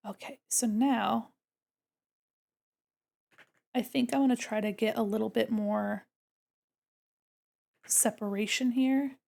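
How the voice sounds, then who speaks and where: A woman's voice: a little high, fairly even intonation, takes it slowly, vocal fry, pauses often, darkish tone. Congested woman chatting while she draws. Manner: chatty, answers chat questions, murmurs to herself while working. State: congested from a cold. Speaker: art streamer. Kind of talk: casual chat with viewers while drawing.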